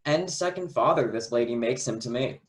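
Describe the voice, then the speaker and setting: A man's voice: medium pitch, normal speed, close to an everyday voice. A man playing a devoted, courtly young prince in a Shakespeare radio play. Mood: tender, proud.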